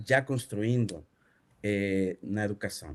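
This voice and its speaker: A man talks very slowly with a Spanish accent. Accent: Spanish accent in Portuguese, noticeable. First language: Spanish (speaking Portuguese). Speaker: education publishing executive. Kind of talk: interview. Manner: halting, frequent repetitions and fillers.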